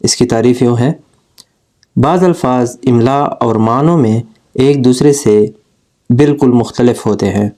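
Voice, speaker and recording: A man with a Pakistani Urdu accent talks through a grammar lesson. His voice is mellow and dark, at an ordinary middle pitch. He explains each point slowly and deliberately.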